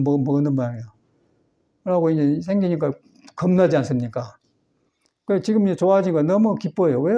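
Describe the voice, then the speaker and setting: High-voiced, mellow monk giving a chatty sermon. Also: male voice, muffled recording. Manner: chatty and meandering, with frequent chuckles. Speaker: Buddhist monk giving a Sunday dharma talk. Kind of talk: folksy sermon. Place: temple dharma hall.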